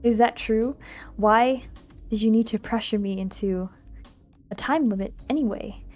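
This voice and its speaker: A woman streamer reading a visual novel aloud on a livestream, expressive and giggly, stumbling over lines and making asides to chat. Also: a little high, moderate pace. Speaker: streamer, VTuber. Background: game music.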